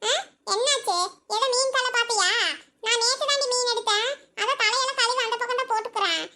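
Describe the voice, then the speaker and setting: Chatty village woman, cartoon, very high squeaky voice, bright and sharp, quick gossiping. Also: fairly even intonation. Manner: chatty, fussing, teasing scolding. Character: chatty village women gossiping, homely and fussing. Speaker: cartoon character.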